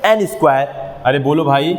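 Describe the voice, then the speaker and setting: A man teaches maths to a room of students, walking them through each step and stopping to ask them questions. His voice sits fairly high, and it rings in a roomy classroom with a long echo. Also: moderate pace. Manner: explains step by step, keeps asking the class questions. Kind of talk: classroom lesson with motivational asides. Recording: echoey room, long reverb.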